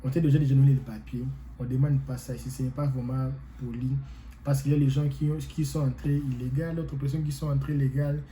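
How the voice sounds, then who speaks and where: A man's voice: medium pitch, little pitch movement, fairly quick, dark tone, slight background noise, low-quality recording. A man who is not a native French speaker gives casual advice to his viewers, rambling, repeating himself and hesitating often. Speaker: vlogger giving advice.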